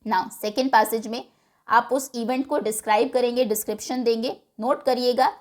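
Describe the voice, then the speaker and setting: A woman teacher who reads English lines slowly, explains them in Hindi and repeats words to drill pronunciation. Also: a little high, fairly even intonation, a little mellow. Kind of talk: bilingual lesson explaining a textbook.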